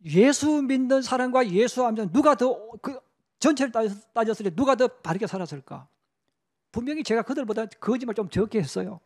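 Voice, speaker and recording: A middle-aged Korean pastor preaching in a church, his voice sitting high for a man. He mixes lively storytelling with little acted-out quotes and talks to the congregation like it's a conversation. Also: fairly quick. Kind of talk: sermon. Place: church sanctuary.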